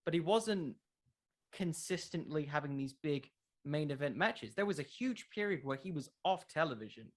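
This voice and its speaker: A man's voice: on the high side, lively intonation, moderate pace. Man chatting as a podcast guest. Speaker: podcast creator, interview guest. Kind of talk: casual interview chat about wrestling fiction.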